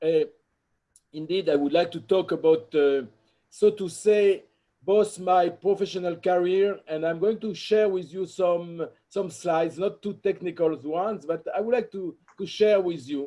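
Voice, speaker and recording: A man with a French accent, high pitch and a dark, mellow tone, at a moderate pace with ordinary pitch variation. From France. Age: 60s. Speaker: aerospace engineer. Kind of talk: talk to a congregation. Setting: video call. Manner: halting.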